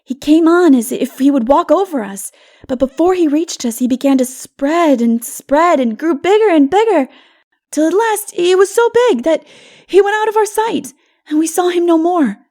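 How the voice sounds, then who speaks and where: Woman voicing an earnest, high-pitched frightened little boy. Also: expressive, moderate pace, a little mellow. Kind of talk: dramatic audiobook character reading.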